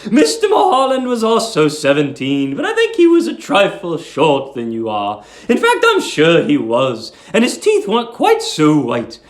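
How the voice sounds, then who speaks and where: A man's voice: a little high, wildly swooping pitch, voice pushed up. A man voicing a middle-aged English landlady who is sugary, fussing and eerily attentive, cooing theatrically in a storybook reading. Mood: delighted, gushing. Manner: cooing, theatrical, drawn-out exclamations. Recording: roomy echo.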